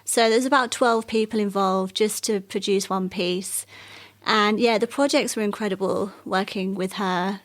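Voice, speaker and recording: A woman born in Wales, a guest in an interview, recounting her career in a relaxed, chatty way. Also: mid-range voice, normal speed. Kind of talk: interview conversation.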